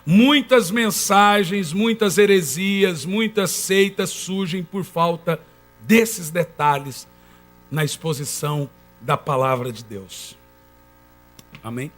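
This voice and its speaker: High bright-voiced preacher. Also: male voice, lively intonation, a little slow, soft background music. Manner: emphatic preaching, calls on the congregation to answer. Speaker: pastor. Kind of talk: sermon. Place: church in front of a congregation.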